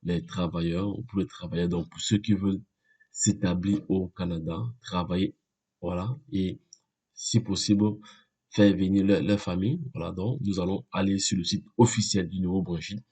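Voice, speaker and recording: A man's voice: sits low, steady tone, moderate pace, dark tone, breathy edge. A man with a head cold explaining an immigration program in a casual walkthrough, repeating himself and saying "voilà" often. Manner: repetitive, many fillers, frequent "voilà". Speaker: video creator giving immigration advice.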